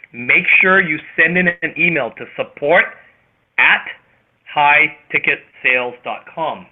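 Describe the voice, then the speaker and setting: A man with a Canadian accent hosting a motivational group conference call, speaking emphatically and theatrically with dramatic pauses. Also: fairly high pitch. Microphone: phone or web conference call. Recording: tinny phone-line radio sound.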